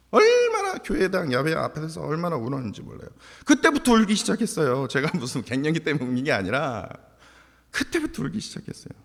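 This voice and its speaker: A man's voice: on the high side, vocal fry. A man in his forties preaching a confessional, emotional sermon to his congregation. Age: 40s. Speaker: pastor. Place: church sanctuary. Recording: long hall reverb.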